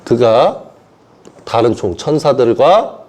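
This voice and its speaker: A man preaching a sermon, telling Bible stories in a lively way, acting out voices and often asking his listeners whether they understand. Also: mid-range voice, slow pace. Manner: animated storytelling, acting out voices of Jesus and Peter.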